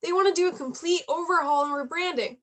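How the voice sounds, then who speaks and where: High-voiced, ambitious young journalist played by a woman. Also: fast, fairly bright tone. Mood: excited, proud. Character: Chloe, ambitious, frustrated young female journalist and loyal friend. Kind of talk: staged reading of a contemporary play.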